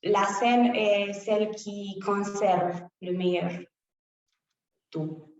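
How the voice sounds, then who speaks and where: Slow-speaking woman in a very echoey room. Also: mid-range voice, steady tone, a little mellow. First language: not French. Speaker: theatre group representative answering questions. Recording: very echoey, distant, muffled room sound.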